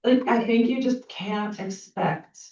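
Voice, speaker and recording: A woman's voice: fairly high pitch, slow pace, darkish tone. Brief: woman commissioner, rambling and thoughtful, far off in an echoey room, muffled sound. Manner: thinking aloud, many fillers. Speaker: commission member. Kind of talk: public meeting discussion. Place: meeting room. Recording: echoey room, distant mic, dull sound.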